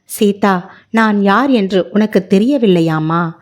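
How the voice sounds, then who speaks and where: Woman voicing a remorseful older father, tearful, pleading, slow unhurried delivery, storybook reading. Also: mid-range voice, natural voice.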